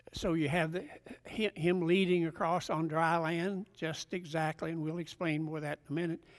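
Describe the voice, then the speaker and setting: Over a silent background in a very clean recording, a man speaks at a high pitch with monotone, flat intonation. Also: moderate pace. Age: 80s+. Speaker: pastor. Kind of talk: sermon. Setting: church.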